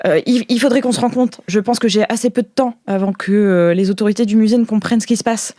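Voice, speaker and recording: Clandestine sci-fi rebel played by a woman, earnest, courteous, flustered, halting speech, dry sound, tabletop game. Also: medium pitch, dark tone, dry recording, close to an everyday voice. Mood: earnest, hesitant. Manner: flustered, stammering, polite. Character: hesitant, helpful clandestine man from a future resistance group.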